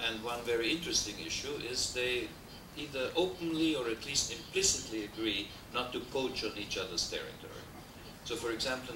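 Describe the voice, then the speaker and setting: An older man from Austria with an Austrian German accent, giving an academic lecture at a desk microphone, hesitating often and adding dry asides. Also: lowish voice. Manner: discursive, frequent hesitations, dry humor. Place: wood-paneled lecture hall. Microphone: desk mic on stand. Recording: roomy, distant, noisy VHS transfer.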